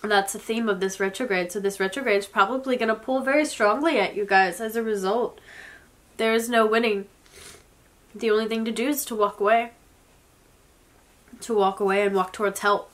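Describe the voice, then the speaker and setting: Young woman in her twenties, tarot reader, sniffly from a cold, slow and reflective delivery. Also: medium pitch. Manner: soft, slow and reflective, with occasional small laughs. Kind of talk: spoken tarot reading. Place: indoors, in front of a floral blanket.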